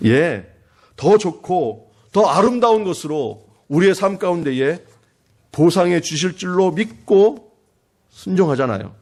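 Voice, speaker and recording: A male pastor preaching a sermon to his congregation, asking them questions and acting out quoted prayers with dramatic swings in loudness. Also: high voice, lively intonation, measured pace. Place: church sanctuary.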